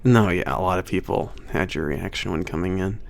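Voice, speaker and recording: A man's voice: deep voice, brisk, vocal fry. A man playing a casual werewolf maintenance trainer with some attitude, teasing and a little hesitant, in an ASMR audio drama. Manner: hesitant, teasing, sighing and chuckling casual talk.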